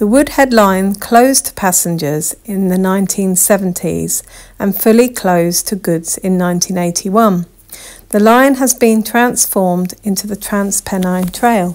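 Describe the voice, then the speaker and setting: The background stays quiet. A woman talks, her pitch shifting in an ordinary way. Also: moderate pace. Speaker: urban explorer narrator. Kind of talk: casual vlog commentary. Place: open country. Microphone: phone near.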